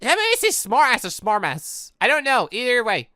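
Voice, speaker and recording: A woman giving casual let's play commentary, reading game dialogue aloud and rambling as she thinks out loud with animated reactions. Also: a little high, moderate pace, no room sound, clean studio sound. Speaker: gaming channel host.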